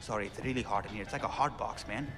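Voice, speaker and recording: An actor playing an excitable, chatty young rebel radio DJ in a video game, with a South Asian accent and theatrical, slangy, rambling talk. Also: male voice, lowish voice, quick pace, lightly acted. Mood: hospitable, flustered. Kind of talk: game cutscene acting with radio patter. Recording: music behind, long reverb.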